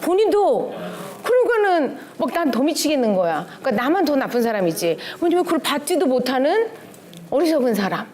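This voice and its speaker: A middle-aged woman with a high voice teaches relationship skills in a lively seminar talk, speaking fairly quickly. She is animated and laughs often as she mimics quotes.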